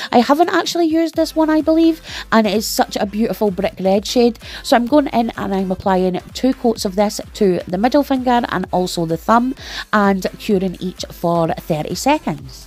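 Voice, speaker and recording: Over noticeable background noise, a woman with a fairly high voice speaks at a moderate pace in an upbeat tone, her pitch swinging very widely. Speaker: nail tutorial creator. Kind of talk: nail tutorial voice-over. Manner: upbeat, chatty.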